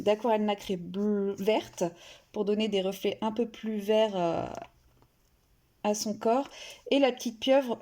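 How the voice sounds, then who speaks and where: A woman's voice: mid-range voice, darkish tone. A woman vlogger casually showing her finished coloring pages, hesitant, with many fillers and restarts. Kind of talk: casual show-and-tell.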